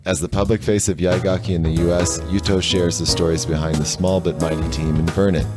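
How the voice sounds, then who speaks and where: A very low-pitched man delivers scripted podcast narration. Guitar music plays clearly behind his voice. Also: steady tone, fairly quick.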